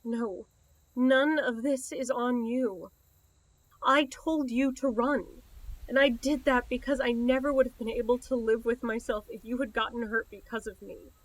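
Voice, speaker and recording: A woman's voice: on the high side, fairly even intonation, measured pace, poor audio. A woman playing a devoted, steadfast woman in love, speaking earnestly and reassuringly in an intimate audio drama. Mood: pleading.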